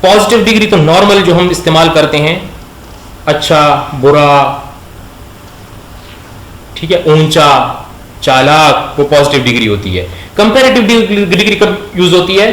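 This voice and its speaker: A man teaching a grammar lesson. He asks questions and slowly drags out words so the class can repeat them. His voice sits a little high and rings in an echoey room. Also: animated, a bit bright. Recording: echoey room with faint background noise.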